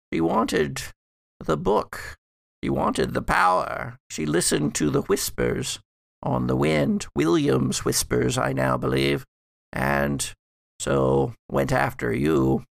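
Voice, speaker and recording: A man's voice: mid-range voice, vocal fry, a bit bright, no echo, clean studio sound, heavily acted. A man playing a regretful dead ancestor in a gothic tabletop story, speaking in hesitant, broken phrases.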